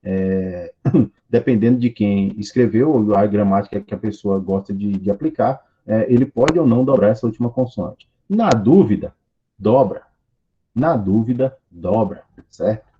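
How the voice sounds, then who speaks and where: A man's voice: fairly low pitch, lively intonation, unhurried, slightly rough, dull audio. A Brazilian man with a Brazilian Portuguese accent teaching an English grammar class online, explaining step by step and repeating key points. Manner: patient, explains step by step with repetition.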